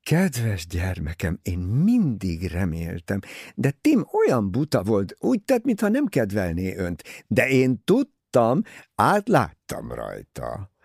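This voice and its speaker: A man voicing a doting older mother in an audiobook, speaking slowly and fondly. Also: lowish voice, wildly swooping pitch, creaky, darkish tone, husky, no echo, clean studio sound, full character voice.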